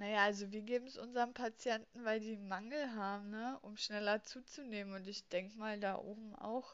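A woman with a plain, everyday voice speaks at a fairly high pitch with fairly even intonation and big swings in loudness. She leaves hardly any pauses. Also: moderate pace. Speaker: nurse. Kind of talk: casual chat. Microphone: too quiet at first.

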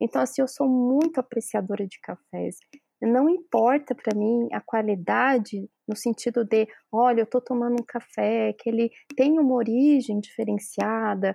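A woman speaks at a moderate pace with fairly high pitch and ordinary pitch variation. It is a plain, everyday voice. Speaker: food scientist. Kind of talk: casual interview.

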